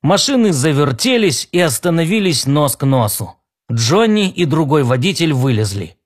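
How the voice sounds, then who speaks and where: A man narrating a science fiction story in an expressive, storytelling manner. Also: on the high side, moderate pace. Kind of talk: scripted audiobook narration.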